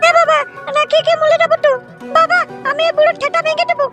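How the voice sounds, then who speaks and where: A woman voicing a cheeky, scheming little boy in a comedy cartoon, whiny and excitable. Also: very high-pitched, very fast, music in the background. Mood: excited, scheming.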